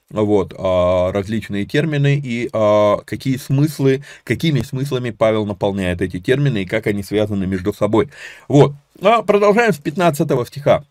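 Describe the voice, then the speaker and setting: A man's voice: medium pitch, a little mellow, no echo, clean studio sound. A man hosting a live-stream Bible study, talking conversationally with many fillers and restarts. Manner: grows emphatic while expounding scripture. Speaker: Bible teacher.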